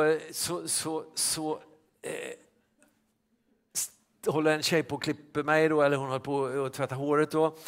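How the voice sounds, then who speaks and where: A male pastor telling a personal anecdote in a sermon, halting with many restarts and fillers. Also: fairly high pitch, creaky.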